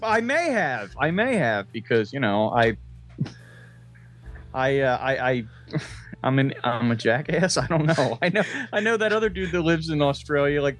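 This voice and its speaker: A man's voice: a little high, a bit bright. A man podcast host chatting casually, joking and poking fun at himself. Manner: self-mocking, joking, sweary. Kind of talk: casual chat.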